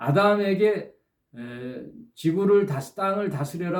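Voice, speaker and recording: This man has a high-pitched voice. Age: 70s. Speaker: pastor. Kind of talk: sermon. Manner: halting.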